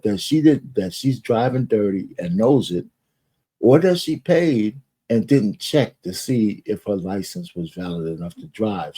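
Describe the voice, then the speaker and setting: A man's voice: on the low side, mellow, slightly rough. A man giving casual, opinionated commentary in a blunt, colloquial way with some swearing. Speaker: video commentator.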